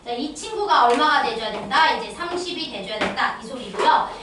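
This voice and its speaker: A woman's voice: sits high, expressive, fairly quick. A woman math teacher lecturing exam students, often checking if they follow along. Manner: checks understanding with constant tag questions. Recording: echoey room, distant mic, faint noise.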